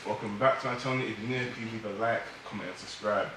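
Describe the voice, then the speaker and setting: Young guy hosting his channel, quick and bright voice, kinda echoey room. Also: lowish voice, fairly even intonation, a little hiss or hum. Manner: upbeat, prompting questions. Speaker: host, YouTuber. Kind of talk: casual chat.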